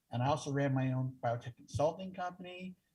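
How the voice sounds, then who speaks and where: A somewhat breathy man's voice with lively intonation. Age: 60s. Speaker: retired scientist and photographer. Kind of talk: casual chat.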